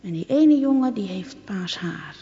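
A woman reading a children's story aloud in a lively, expressive way. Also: medium pitch, measured pace. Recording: echoey, dull recording.

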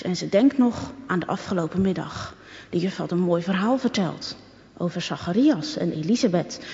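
A woman reading a children's story aloud in a lively, expressive way. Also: mid-range voice. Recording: echoey, dull recording.

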